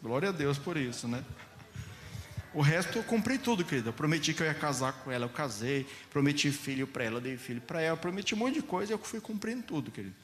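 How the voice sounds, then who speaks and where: A man preaching a sermon as a pastor, speaking mildly and deliberately, often calling his congregation "dear ones". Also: fairly high pitch, expressive. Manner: slow, gentle delivery addressing listeners as "queridos".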